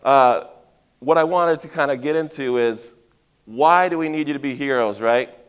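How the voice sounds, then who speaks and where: A middle-aged man from Maine, a heroism educator giving a loud, chatty talk on a conference stage, often checking in with the audience with "right?". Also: medium pitch, normal speed, clean tone. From Maine, USA. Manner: loud, chatty, jokey, asks the crowd questions, many "right?" tags. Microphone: handheld or stage mic.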